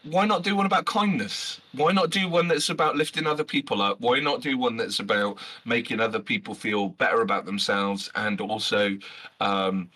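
Loud brash man, husky. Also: mid-range voice, normal speed. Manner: animated, swears freely, many fillers. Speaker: podcast guest. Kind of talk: passionate casual chat.

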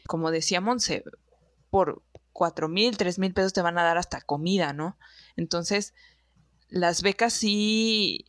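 A woman's voice: medium pitch, no echo, clean studio sound. A Mexican woman from Veracruz hosting a podcast, chatting casually with plenty of fillers. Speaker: podcast host. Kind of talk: casual chat.

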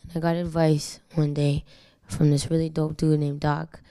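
A young woman from Canada, Spanish her first language, tells her story as an interview guest with loose slang and frank swearing. Her voice sits low and mellow, with a gravelly fry and an even, flat delivery. The sound is close and dry. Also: normal speed, dry recording. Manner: candid, slangy and swearing freely. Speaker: guest singer. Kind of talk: casual interview talk.

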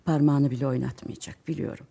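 A woman's voice: a bass voice, steady tone, fast talker, gravelly, mellow, slightly rough, full character voice. An actress playing an emotional, chatty middle-aged mother in a radio drama who swings between sighs and outbursts. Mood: worried. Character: fretful, warm-hearted middle-aged mother.

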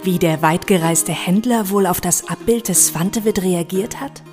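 A woman's voice: lowish voice, moderate pace, a little mellow, faint music behind. A woman delivering scripted documentary narration as a storyteller of history.

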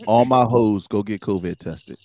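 A man's voice: lowish voice, moderate pace, a little mellow. A man hosting a casual, profane panel show, with brash teasing and grandiose introductions. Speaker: show host.

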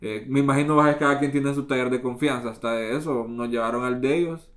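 A man's voice: medium pitch, quick pace. Young man telling casual stories. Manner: relaxed storytelling with slang. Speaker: podcast host. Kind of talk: casual chat.

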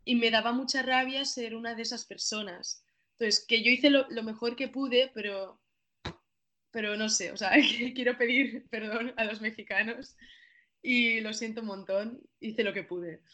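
A young woman with a Spain Spanish accent talks through an interview, quick to apologize and laugh at herself. Her voice sits a bit high and comes out bright and forceful. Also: steady tone. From Catalonia, Spain. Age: 20s. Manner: apologetic, self-deprecating, chatty. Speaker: actress guest. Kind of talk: casual interview.

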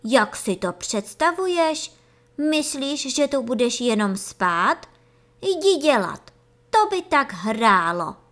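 A woman voicing a cross, bossy female bee in a children's storybook, scolding loudly in a sharp, indignant tone. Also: on the high side, sing-song.

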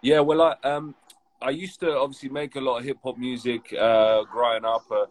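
A man in his thirties from England, stuffy with a cold, talking haltingly with many fillers as a guest musician on a call. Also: medium pitch, flat delivery. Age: 30s. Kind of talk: casual interview over a call.

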